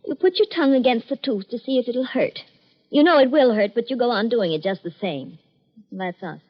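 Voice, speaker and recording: An actress playing an excitable young bride in an old-time radio drama, curious, daring and affectionate. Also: female voice, fairly high pitch, brisk, long reverb tail, natural voice. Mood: wistful. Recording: dull, muffled old radio recording.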